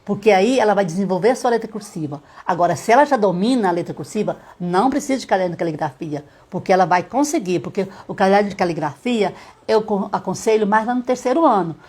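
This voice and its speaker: A middle-aged woman, a literacy teacher on a live stream, explaining step by step, often checking in with her viewers and sounding out letters slowly. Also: medium pitch, a little mellow, slightly rough.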